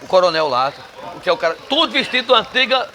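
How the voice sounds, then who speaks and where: Northeastern Brazilian man, guest: bright, forceful voice, emphatic and combative, swears freely. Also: high-pitched, very animated, quick pace. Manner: emphatic, combative, salty language. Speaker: interview guest. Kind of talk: casual bar interview. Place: bar.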